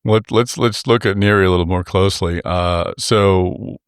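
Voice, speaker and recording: A man with a very deep, smooth voice hosts a podcast interview. He asks long, meandering questions full of "uh"s and restarts. The sound is dry and close to the mic. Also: normal speed, dry recording. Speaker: podcast host.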